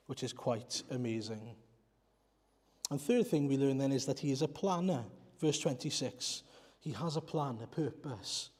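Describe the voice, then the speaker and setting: A man's voice: medium pitch, darkish tone. A man from Wales, a Welsh speaker, preaching a sermon in an earnest, explanatory way and putting rhetorical questions to the congregation. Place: church. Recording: reverberant church hall.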